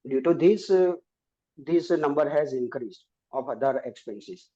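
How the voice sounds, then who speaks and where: A man's voice: medium pitch, lively intonation, unhurried, warm tone. A man with an Indian accent, a company executive explaining figures on a conference call. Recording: dull lo-fi call audio.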